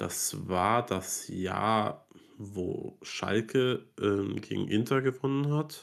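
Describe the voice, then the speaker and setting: The recording is very clean, with a silent background. A man speaks very slowly with ordinary pitch variation. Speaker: football podcast host. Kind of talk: casual chat.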